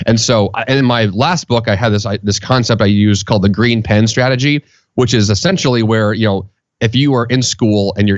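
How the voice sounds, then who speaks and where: A man with an American accent, medium-pitched, with ordinary pitch variation and a very fast pace. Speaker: author and productivity guest. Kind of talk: podcast interview. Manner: conversational, casual.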